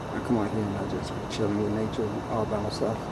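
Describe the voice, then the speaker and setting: Background noise is noticeable and room echo audible. A man talks at a medium pitch and fairly quick pace. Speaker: vlogger and scrap collector. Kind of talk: casual vlog monologue. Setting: outdoors. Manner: animated.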